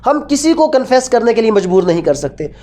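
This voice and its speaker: A woman's voice: fairly high pitch, big pitch swings, brisk, dark tone. A woman with a Pakistani accent giving an explanatory lecture, didactic, asking and answering her own questions and repeating key phrases. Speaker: law lecturer. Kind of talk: explanatory law lecture, code-switching with English.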